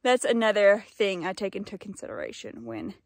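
A young adult woman chatting casually to camera as a solo hiking vlogger, somewhat out of breath, musing in short halting phrases. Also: mid-range voice, big pitch swings, dry recording, studio quality. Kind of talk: casual vlog chat to camera while hiking. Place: outdoors on a snowy mountain trail. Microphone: handheld phone at arm's length.

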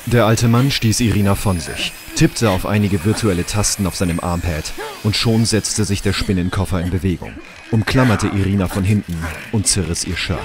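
A man's voice: deep voice, normal speed, lightly acted. A man reading scripted narration as the storyteller of a radio drama.

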